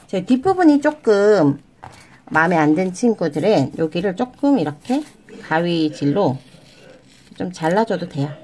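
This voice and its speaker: A woman hosting a children's origami tutorial, explaining each fold step by step in a gentle, sing-song way and addressing the kids as friends. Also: fairly low pitch, a little hiss or hum. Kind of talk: step-by-step craft instruction.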